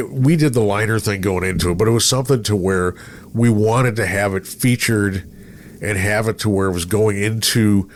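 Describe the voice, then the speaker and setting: A middle-aged man with a low voice speaks as a podcast host in casual conversation. He tells stories by acting out his own thoughts. Some background noise sits behind him. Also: normal speed. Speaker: podcast host, former radio programmer.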